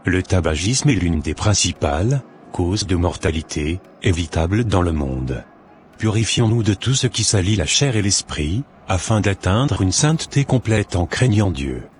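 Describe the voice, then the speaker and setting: A low-voiced big brother from a Christian cartoon, played by a man, earnest and preachy. He explains and admonishes in a measured, teacherly way. There is clear noise in the recording. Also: very animated. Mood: earnest, exhorting. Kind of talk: scripted cartoon dialogue, expository.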